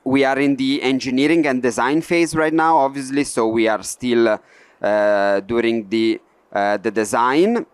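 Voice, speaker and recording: A man's voice: medium pitch, unhurried, clean tone, no room sound. A man from Italy with an Italian accent, presenting a live workshop demo on a trade fair stage, hesitant with frequent fillers. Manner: hesitant, many "uh" fillers, non-native phrasing.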